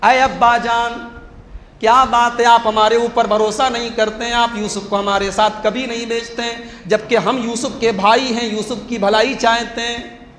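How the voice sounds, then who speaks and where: A man's voice: extremely high pitch, flat delivery, moderate pace, fairly bright tone, pitched above the performer's own voice. A man voicing scheming young brothers who plead insistently with their father. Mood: wheedling. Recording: echoey hall, faint hum.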